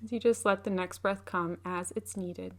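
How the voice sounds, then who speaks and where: A woman leading a guided meditation as a teacher, speaking in a gentle, unhurried, soothing way. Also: lowish voice, steady tone.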